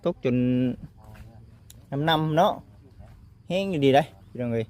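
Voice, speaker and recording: A man's voice: fairly high pitch, unhurried, a little mellow. A man with an Isan accent vlogging outdoors in a village, chatting casually and calling out to his viewers.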